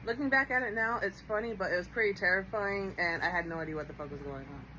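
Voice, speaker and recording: A woman's voice: mid-range voice, fast, bright, forceful tone, a little hiss or hum, low-quality recording. A woman guest telling stories in casual chat, blunt and swearing freely. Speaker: guest co-worker.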